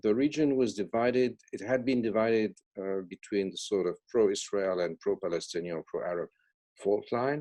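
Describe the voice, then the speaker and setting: In a French accent, the voice has a dark, mellow tone and ordinary pitch variation, with a dry, close sound and no echo. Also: man. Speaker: Middle East scholar, professor. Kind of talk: virtual panel discussion. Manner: hesitant, many filler words.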